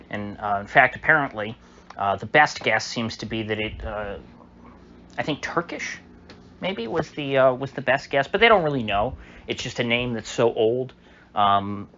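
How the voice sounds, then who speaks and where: A man's voice: mid-range voice, a bit bright. A man giving casual solo commentary, rambling and hesitant, full of fillers and restarts. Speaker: political commentator. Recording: dull lo-fi audio with faint hiss.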